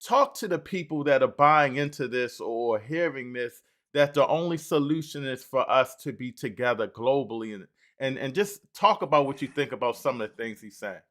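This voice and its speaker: An older man hosts a podcast in a loose, rambling way. He stacks fillers and restarts as he frames long questions. His voice sits at an ordinary male pitch. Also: animated, moderate pace, hardly any pauses, a bit bright. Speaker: podcast host. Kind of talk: casual interview talk.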